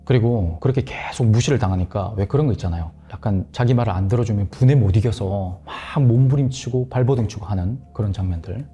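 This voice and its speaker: A man telling a ghost story in a hushed, dramatic way on a horror talk show, sometimes dropping to a murmur. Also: on the low side, fast, few pauses, slightly rough.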